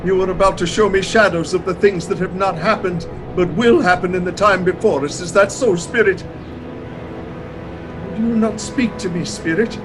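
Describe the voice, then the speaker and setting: Male actor as old miser, high voice, eager, fearful, theatrical radio drama, music behind. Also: moderate pace, close to an everyday voice, low-quality recording. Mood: fearful, earnest.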